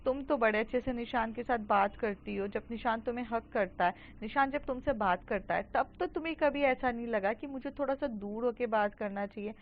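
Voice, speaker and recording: A woman's voice: a little high, fairly quick, few pauses, dull audio, close to an everyday voice. A woman voicing a confident teenage schoolgirl who argues with probing questions. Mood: challenging.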